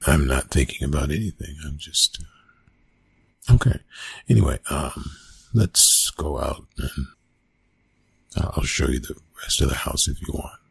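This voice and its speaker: Man acting husky, very low, flustered college bully. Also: big pitch swings, no room sound, full character voice. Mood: shyly friendly. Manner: halting, stammering, evasive. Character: college bully, flustered, awkward, secretly softening young man. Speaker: roleplay audio performer. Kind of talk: one-sided ASMR roleplay acting.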